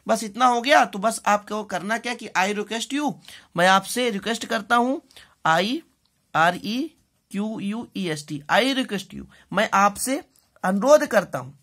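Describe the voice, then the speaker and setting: A woman with an Indian accent teaching English in a bilingual lesson, deliberately repeating phrases, spelling out words and checking in often. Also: medium pitch, lively intonation, a bit bright.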